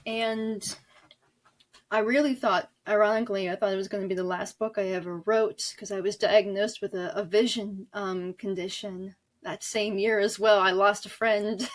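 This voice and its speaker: Woman, twenties, interview guest. Thoughtful, halting delivery, feeling for each phrase. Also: mid-range voice. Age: 20s. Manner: halting, searching for words. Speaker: guest author and audio drama creator. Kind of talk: reflective interview talk.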